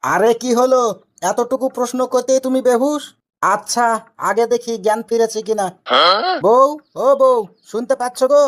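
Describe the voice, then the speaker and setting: Woman voicing a high-pitched, pestering cartoon husband. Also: moderate pace, pauses often, close to an everyday voice. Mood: concerned. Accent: Rajshahi Bengali. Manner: innocently questioning, persistent. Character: maddeningly literal, pestering cartoon husband, cheerfully obtuse. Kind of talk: comic cartoon dialogue.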